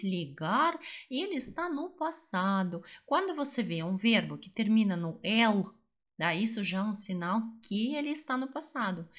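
A woman teaching a language lesson, patient and explaining step by step, slowing down for example phrases. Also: medium pitch. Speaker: Russian teacher.

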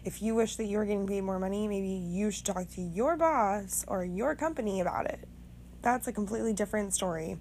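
A young woman hosts her podcast in a loose, rambling monologue, her voice raspy from having just woken up. She talks frankly and swears casually. A faint hum sits under the recording. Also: medium pitch, a little fast, darkish tone. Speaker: podcast host.

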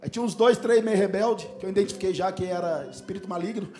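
Very high-voiced pastor. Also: male voice, fast, background noise. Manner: lively, animated, bursts into shouting and laughter. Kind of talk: sermon storytelling.

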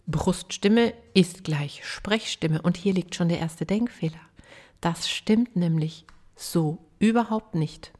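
A woman voice coach hosting a podcast lesson, chatty and emphatic, checking in with the listener as she explains. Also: lowish voice. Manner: chatty, addresses listener with tag questions; emphatic, lively. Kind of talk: casual spoken podcast lesson.

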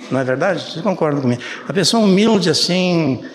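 A man's voice: fairly high pitch, expressive, brisk. An older man from Brazil with a Brazilian Portuguese accent, giving a conversational sermon and often checking in with his listeners. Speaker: preacher. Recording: reverberant hall, faint room ambience.

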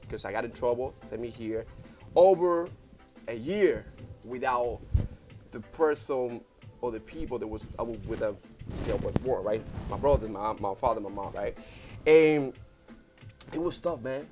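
In a casual studio interview with faint background music, a Puerto Rican guest in his thirties, a business owner whose first language is Spanish, rambles in an easygoing, heartfelt way full of fillers and restarts. His middle-pitched voice is a little mellow, at normal speed with long pauses.

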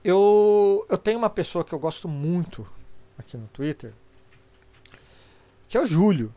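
A man's voice: high voice, sing-song, unhurried, dark tone, no echo. A middle-aged Brazilian man with a congested, sniffly voice from a cold, chatting casually and opinionatedly on a live stream in informal, sweary Brazilian Portuguese speech.

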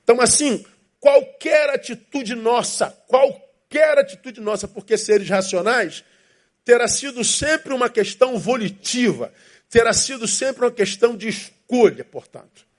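A pastor delivers a sermon in a high voice. He preaches with emphatic repetition and acts out inner voices to make his point. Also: lively intonation, unhurried.

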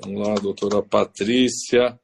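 A man's voice: fairly low pitch, fairly even intonation, unhurried, vocal fry, slight background noise. A man hosting a live video-call interview, chatty and teasing his guest with jokes. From Greek. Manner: jokey, teasing banter. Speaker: host.

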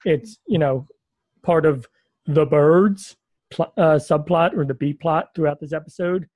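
Man, podcast host, fairly high voice, dry close mic, faint music behind, joking, rambling. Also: measured pace, darkish tone, no room sound. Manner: joking, rambling, sarcastic asides. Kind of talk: casual podcast chat.

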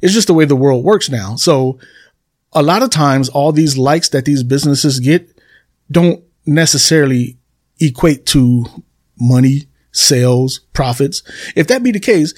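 Male podcast host, slightly high voice, conversational, leans on repetition to make points. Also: animated, measured pace, darkish tone. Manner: conversational, repeats phrases for emphasis. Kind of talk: casual solo podcast talk, addressing listeners. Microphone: computer desk recording.

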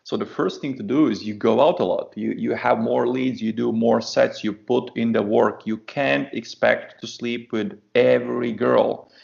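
A man's voice: medium pitch, fairly even intonation, moderate pace, vocal fry, hardly any pauses, a little mellow. A man from Latvia, a native Latvian speaker, talking matter-of-factly as a podcast guest and often repeating words as he starts a sentence. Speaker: podcast guest, dating coach. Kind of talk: casual podcast chat. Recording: dull lo-fi podcast audio.

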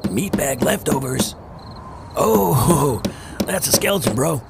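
Gravelly teasing guardian, noisy night. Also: male voice, a little high, expressive, slow, full character voice. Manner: casual, teasing, coaxing. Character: gruff, teasing guardian of a small child. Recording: noisy, with crickets behind.

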